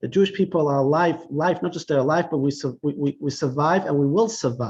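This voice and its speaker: This man's voice is fairly high and somewhat breathy, with ordinary pitch variation. He talks at a fairly quick pace. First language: not English (English is his third language). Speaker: rabbi teaching an adult education course. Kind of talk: lecture. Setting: class with live audience, also streamed on Zoom. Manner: halting, with frequent repetitions.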